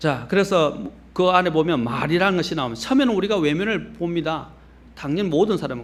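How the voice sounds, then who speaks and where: Over noticeable background noise and audible room echo, a man with a fairly high pitch talks at a fairly quick pace with lively intonation. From Gyeongsang Province, Korea. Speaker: pastor. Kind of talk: sermon.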